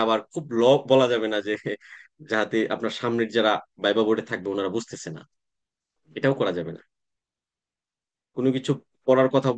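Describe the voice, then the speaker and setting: A man, teaching an online class in a relaxed, conversational way, often pausing to check that students follow. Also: medium pitch. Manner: conversational teaching with frequent "তাই না?" check-ins and hesitations. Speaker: tax exam coaching instructor.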